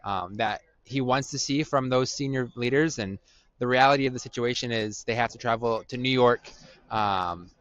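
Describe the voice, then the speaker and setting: A man co-hosts a sports podcast, breaking down play in a measured, analytical way and pausing often on "um". His voice is dry, with no room around it. The audio sounds dull and lo-fi. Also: mid-range voice, fairly bright tone, no room sound. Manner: measured and analytical, with frequent "um" pauses. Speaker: podcast co-host.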